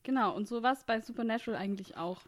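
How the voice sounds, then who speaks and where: A woman's voice: fairly high pitch, fast talker. A woman co-hosting a casual podcast about a TV series, chatty, with frequent fillers and laughs. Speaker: podcast co-host.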